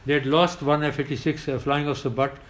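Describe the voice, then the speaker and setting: An older man with a South Asian accent, a retired pilot recounting war memories in an interview in a halting, emphatic way. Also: on the high side, flat delivery, roomy sound. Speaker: retired air force pilot. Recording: clearly noisy background.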